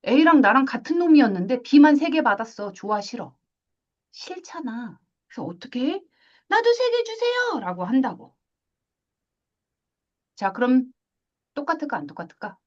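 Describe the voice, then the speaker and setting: A woman teaching a math class, lively, asking questions and acting out little scenes. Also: fairly high pitch, normal speed, long pauses, highs cut off. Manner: animated, asks questions and acts out little scenes. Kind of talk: classroom lecture.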